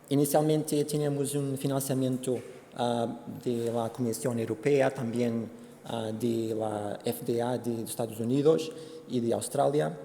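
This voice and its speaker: A Portuguese man giving a conference presentation in Spanish with a Portuguese accent, speaking haltingly with many fillers and restarts. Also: medium pitch, warm tone. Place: conference hall. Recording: hall reverb, faint background noise.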